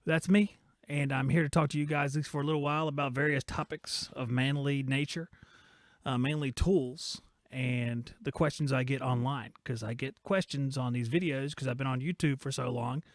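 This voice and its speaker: A man's voice: medium pitch, steady tone, moderate pace, no room sound, clean studio sound. A man in his forties hosting a live-streamed podcast from his workshop, rambling and joking as he reads viewer chat aloud. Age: 40s. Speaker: host of a live-streamed shop talk podcast.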